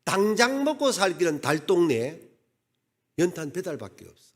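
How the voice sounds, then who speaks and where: A man's voice: sits high, moderate pace, husky. A middle-aged man preaches a storytelling sermon. His slightly raised voice rises and falls a great deal as he acts out the people in his stories. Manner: animated storyteller, acts out dialogue. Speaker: pastor.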